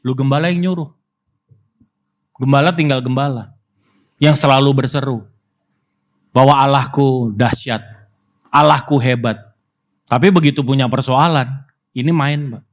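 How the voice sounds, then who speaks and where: A man pastor preaches a sermon. He keeps it lively and conversational, often calling out to the congregation. His voice sits at an ordinary middle pitch. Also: moderate pace, pauses often. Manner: lively, conversational preaching with audience call-outs.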